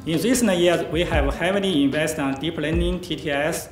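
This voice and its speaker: A man's voice: a little high, normal speed. A middle-aged man, not a native English speaker, explaining technical work as an engineering manager. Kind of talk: explanatory promotional interview. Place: modern office interior. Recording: roomy, music behind.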